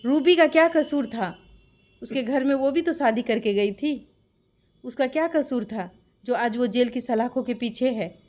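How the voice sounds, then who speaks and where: A woman's voice: a little high, measured pace, darkish tone. A woman with a Bihari accent giving impassioned interview testimony, insistent and full of rhetorical questions. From Bihar, India. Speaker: interviewee giving her account of a dispute.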